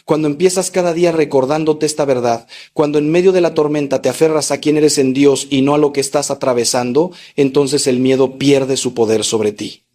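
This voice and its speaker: A man, a Catholic priest, preaching a sermon emphatically with rhetorical repetition. He speaks straight to the listener, swinging between raised, intense lines and low, slowed ones. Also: steady tone, mellow. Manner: addresses the listener directly.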